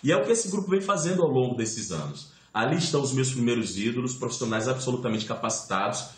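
A man's voice: mid-range voice, fast. A man from Salvador with a Bahian accent, an actor talking animatedly as a guest on a talk show. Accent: Bahian Portuguese. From Salvador, Bahia, Brazil. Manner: animated storyteller, expressive swings. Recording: roomy echo.

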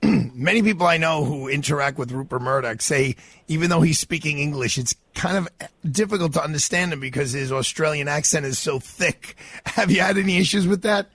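A man, hosting a radio interview in a casual, conversational way with a husky voice. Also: fairly high pitch, brisk, a bit bright, dry recording. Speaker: radio talk show host.

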